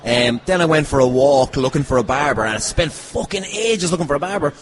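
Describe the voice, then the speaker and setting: A man's voice: on the high side, animated, fairly quick, background noise. An Irish man hosting a podcast in casual banter, giddy and sweary. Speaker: podcast host.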